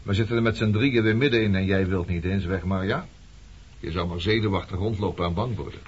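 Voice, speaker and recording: A low-voiced, sardonic, probing man. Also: a little fast, husky. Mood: needling. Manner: needling, coolly provocative. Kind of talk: Dutch radio play acting. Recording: dull, noisy old radio play recording.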